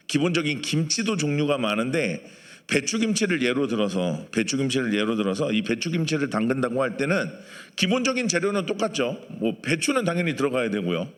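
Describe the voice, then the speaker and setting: A man preaching a sermon to a congregation in a conversational way, asking the people in the pews questions. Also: medium pitch. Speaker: pastor. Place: church sanctuary. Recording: long church hall reverb.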